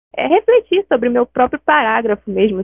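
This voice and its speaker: A woman's ordinary speaking voice, fairly high in pitch, at a moderate pace. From Brazil, Rio de Janeiro. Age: 20s. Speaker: student. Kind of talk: interview.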